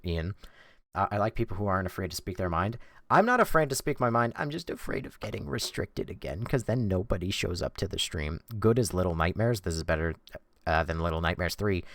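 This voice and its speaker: A young man streaming a game live, reading chat sarcastically and shrieking when the game scares him, his voice going hoarse. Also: low voice, dry recording, studio quality. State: losing his voice.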